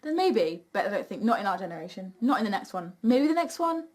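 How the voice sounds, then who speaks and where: A woman's voice: mid-range voice, big pitch swings, quick pace. A young woman chatting casually and candidly as co-host of a Q and A vlog. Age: young adult.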